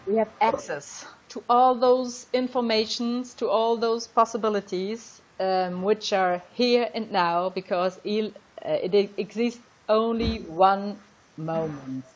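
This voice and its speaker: A woman with a German accent explains things slowly and gently, with small fillers along the way. Her voice comes through a slightly dull, muffled recording. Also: medium pitch. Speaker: healing method teacher. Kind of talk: casual conversation.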